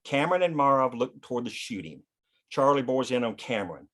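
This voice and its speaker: A man's voice: mid-range voice, very animated, a little fast, a bit bright. A man narrating scripted action and scene headings at a screenplay table read. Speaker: narrator reading stage directions.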